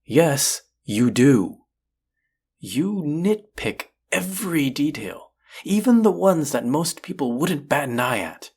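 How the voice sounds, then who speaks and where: A man's voice: a little high, very animated, takes it slowly, darkish tone, slightly rough, heavily acted. A man playing a proud, combative restaurant chef in an audio roleplay, indignant, condescending and sarcastic as he argues. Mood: heated, exasperated. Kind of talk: audio roleplay acting, one-sided dialogue.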